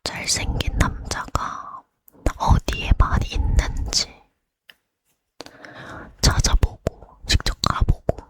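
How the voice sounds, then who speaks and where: 느릿하게 가까이서 속삭이는 여자가 연기하는 남자에 푹 빠진 젊은 여자, 속삭임 롤플레이. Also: female voice, slow pace, long pauses, lightly acted. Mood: chatty, determined. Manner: leaning in to whisper, breathy and hushed. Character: boy-crazy young woman getting ready to go out, chatty and determined. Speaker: ASMR creator. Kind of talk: whispered role-play.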